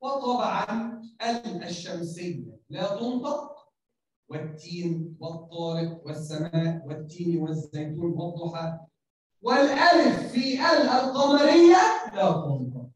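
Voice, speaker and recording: A woman teaching Arabic to language learners. She lectures slowly and deliberately, spells out letters one by one and keeps checking that her students understand. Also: lowish voice, animated, a little mellow. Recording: very echoey room, voice far from the mic.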